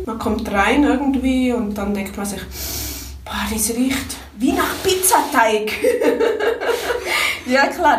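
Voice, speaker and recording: A woman's voice: fairly high pitch, slight background noise. Chatty woman in an echoey sauna. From Tyrol, Austria. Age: 40s. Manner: chatty and rambling, laughs often. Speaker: guesthouse owner. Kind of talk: casual vlog chat. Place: small wooden garden sauna. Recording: roomy echo, voice far from mic.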